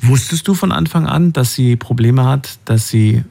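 Male radio host, husky, presses callers with pointed questions. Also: medium pitch, normal speed, warm tone. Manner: probing, questions each answer. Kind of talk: call-in radio talk.

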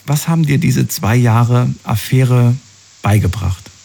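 A man hosting a call-in radio show, giving callers empathetic advice and coaxing them with questions that swing up in pitch. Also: takes it slowly, vocal fry, dark tone.

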